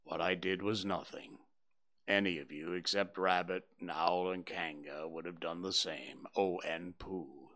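A man voicing a gloomy, self-pitying old male donkey in a storybook reading, with a slow, mournful, breathy drawl. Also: deep voice, steady tone, fairly bright tone, no echo, clean studio sound, voice pushed down. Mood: solemn.

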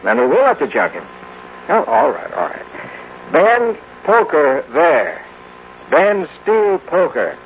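Lively, skeptical American boyfriend. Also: male voice, fairly high pitch, slow pace, full character voice. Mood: skeptical, amazed. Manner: colloquial, grumbling, incredulous. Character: skeptical, easygoing boyfriend giving a robot orders. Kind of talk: 1950s radio drama acting. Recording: muffled noisy old radio recording.

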